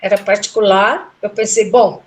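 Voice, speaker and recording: A middle-aged woman recounting a personal story in a casual interview, animated and emotional, acting out the voices of the people she spoke with. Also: mid-range voice, moderate pace. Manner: emotional, animated retelling with quoted dialogue. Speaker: guest telling a personal story.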